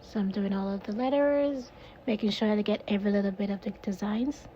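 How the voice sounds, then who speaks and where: A woman's voice: mid-range voice, steady tone, a little fast, mellow, muffled recording, slight background noise. A woman with a Jamaican accent casually narrating her own craft video, rambling and laughing at herself. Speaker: resin crafter, video host.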